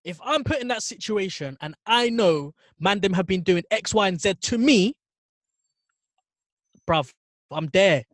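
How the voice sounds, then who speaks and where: A man's voice: high-pitched, expressive, measured pace, pauses often, no room sound. A man with a London roadman accent, chatting and arguing casually in street slang. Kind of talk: casual chat, debating.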